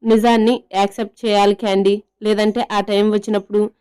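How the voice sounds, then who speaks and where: A calm, reserved young man from an audio love story, voiced by a woman narrator, low-key and matter-of-fact. The tone is mellow and smooth. It stays flat in pitch. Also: fairly quick, lightly acted.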